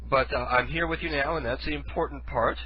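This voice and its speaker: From his living room, a stuffed-up man hosts his own internet radio show in a loose, rambling, self-mocking monologue. His mid-range voice is steady in tone, a little fast, and breathy, captured on a studio mic with headphones, with the high frequencies cut off.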